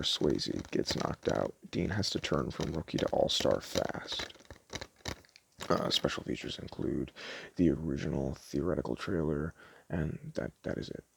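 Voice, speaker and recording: A man doing a casual ASMR store-clerk roleplay, rambling offhandedly and stumbling as he reads blurbs, with a gravelly voice on a noisy home recording. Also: a bass voice. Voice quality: gravelly, creaky. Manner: rambling, offhand, stumbles when reading aloud. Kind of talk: casual ASMR roleplay, chatting and reading movie blurbs aloud.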